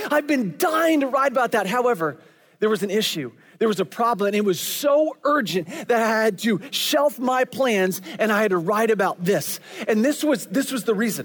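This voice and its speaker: A man with a high pitch and lively intonation talks at a moderate pace, his loudness very even. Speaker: pastor. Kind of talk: sermon. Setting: church. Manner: casual, conversational, humorous.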